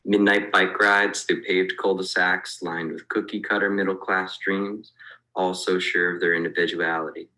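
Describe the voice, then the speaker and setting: A young man recites his own poem with a measured, rhythmic cadence. His voice sits low yet sounds bright and forward. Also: rough recording. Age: young adult. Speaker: poet reading his own work. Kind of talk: recited poetry.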